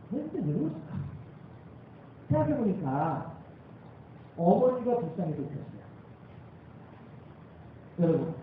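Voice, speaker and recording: A man preaching a sermon as pastor, telling a personal story with animated delivery and emphatic calls to the congregation. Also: high-pitched, slight background noise. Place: church sanctuary. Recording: tinny, very echoey hall, voice from far off.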